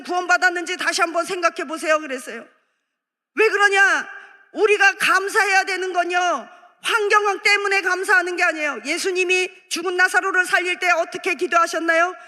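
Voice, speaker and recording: A middle-aged woman preaching a fervent revival sermon in a large prayer hall, moving between chatty asides and loud cries. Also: very high-pitched. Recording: long hall reverb.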